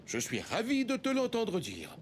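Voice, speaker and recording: A jolly kind old grandpa in a kids cartoon, super animated pitch swings, bit of noise. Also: male voice, moderate pace, exaggerated voice. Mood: warm, teasing. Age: older. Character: kindly, jovial old grandfather. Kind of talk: French-language children's cartoon dubbing.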